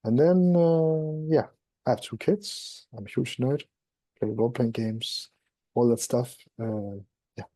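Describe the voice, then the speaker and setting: A man's voice: mid-range voice, slow pace, warm tone, no echo. A man who works as a development manager, introducing himself casually and a little self-deprecatingly on a video call. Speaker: development manager, panel guest.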